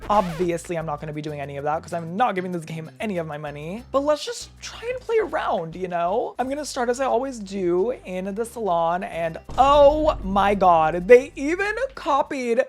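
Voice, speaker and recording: Young female gaming creator, lively swooping pitch, over-the-top reactions, faint music underneath. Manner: dramatic, exclamatory, quick reactions. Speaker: gaming YouTuber. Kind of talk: casual gameplay commentary.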